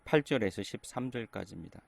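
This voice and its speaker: Middle-aged pastor, calm conversational sermon, deep voice, dry close sound. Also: male voice, fast talker, gravelly, breathy edge, no echo. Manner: gentle, conversational preaching in short phrases.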